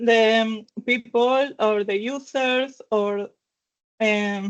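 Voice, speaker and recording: A woman speaks with a strong Argentine accent and a fairly high pitch. Her intonation is fairly even, and the sound is dry and close with no echo. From Argentina. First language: Spanish. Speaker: finance consultant. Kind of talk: technical presentation. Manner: hesitant, many fillers.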